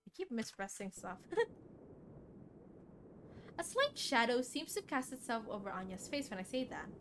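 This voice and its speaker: A woman livestreamer reading a visual novel aloud in an animated way, with casual asides. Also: fairly high pitch, normal speed, a little hiss or hum. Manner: animated, reacts and questions aloud as she reads. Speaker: game streamer. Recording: background music under the voice. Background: music.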